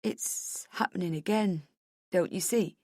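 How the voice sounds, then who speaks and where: A woman voicing a frightened, tearful husband in an audiobook, gentle and pleading, with a hesitant delivery. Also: medium pitch, animated, measured pace, dry recording, studio quality, lightly acted. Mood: scared, pleading. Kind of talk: dramatic audiobook character dialogue.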